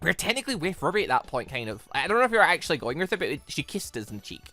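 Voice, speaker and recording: A gaming host giving excitable, rambling commentary and reading visual novel dialogue aloud, often repeating words. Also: medium pitch, racing. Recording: music behind the voice. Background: background music.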